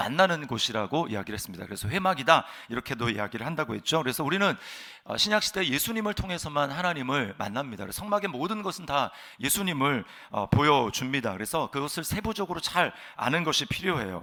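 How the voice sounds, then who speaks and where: At a very fast pace, a man with a fairly high pitch swings his voice very widely over noticeable background noise. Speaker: senior pastor. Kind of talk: sermon.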